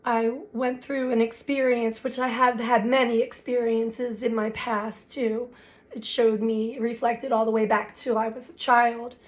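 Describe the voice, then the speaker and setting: A woman with a somewhat high but flat, even voice speaks slowly and reflectively, pausing often as she searches for words. Her voice is still recovering from being lost to illness. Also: rough recording. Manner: slow, halting, reflective, many fillers. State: recovering from voice loss. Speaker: spiritual astrology channel host. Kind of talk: unscripted spiritual talk to camera.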